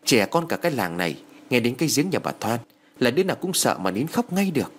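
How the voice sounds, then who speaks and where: A man's voice: mid-range voice, very animated, fast talker, slight background noise, lightly acted. A man voicing a serious middle-aged village husband who explains things earnestly to his wife, with music behind. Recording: background music.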